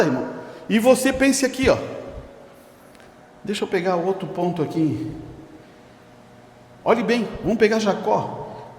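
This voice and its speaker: Animated high-voiced pastor. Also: male voice. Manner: animated, chuckling, addresses listeners directly. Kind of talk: sermon. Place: church sanctuary. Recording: echoey church hall reverb.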